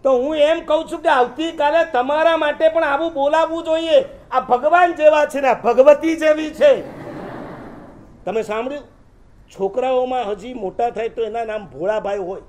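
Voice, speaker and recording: A man's voice: extremely high pitch, darkish tone, slight background noise. A man preaching a sermon as a Jain preacher, mixing jokes with chanted verses and recited poetry.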